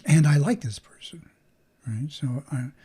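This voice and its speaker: A man's voice: on the high side, unhurried, dark tone, husky. A man hosting a solo podcast, talking earnestly about mindfulness and coaching listeners as he acts out both sides of conversations. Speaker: podcast host.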